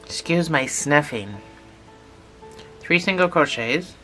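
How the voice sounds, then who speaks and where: A man who has a cold and is losing his voice gives calm, step-by-step crochet instructions. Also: on the high side, takes it slowly, soft background music. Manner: calm, repetitive stitch-by-stitch instructions.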